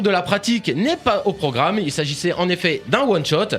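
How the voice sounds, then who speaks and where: A man's high-pitched voice with very wide pitch swings at a moderate pace, over music in the background. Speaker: radio columnist. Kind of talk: radio entertainment column. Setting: radio show, studio. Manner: lively, tongue-in-cheek storytelling.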